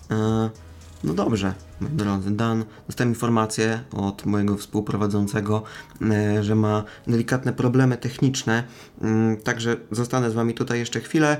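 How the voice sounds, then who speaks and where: A man speaks at a moderate pace, his pitch in the medium range. His intonation stays fairly even, broken by long, frequent pauses. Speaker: podcast host and video editor. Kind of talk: casual chat. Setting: live stream.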